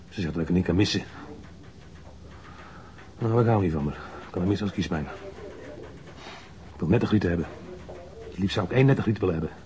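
An actor playing a surly, foul-mouthed young crook under interrogation in a radio drama, coarse, sullen and defiant. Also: male voice, low-pitched, close to an everyday voice. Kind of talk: naturalistic radio drama dialogue. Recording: dull, noisy old radio recording.

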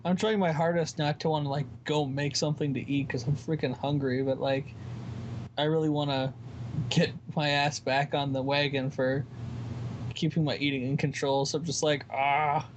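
A man's voice: a little high, flat delivery, normal speed. A man co-hosting a casual chat at home, laid-back with short dry answers and rambling asides. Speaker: podcast co-host. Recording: muffled lo-fi home recording, faint background hum.

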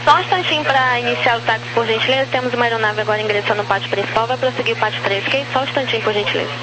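A woman's voice: fairly high pitch, racing. A woman with a Brazilian accent gives clipped air traffic control instructions over a crackly radio. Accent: Brazilian Portuguese. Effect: crackly aviation radio transmission. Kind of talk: clipped aviation radio phraseology. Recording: crackly radio with clear hum and noise.

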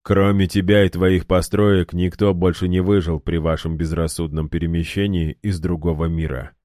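A man voicing a created guardian who answers in a cold, flat, terse way. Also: low voice, normal speed, no echo, studio quality, close to an everyday voice. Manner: cold, flat, sparing with words.

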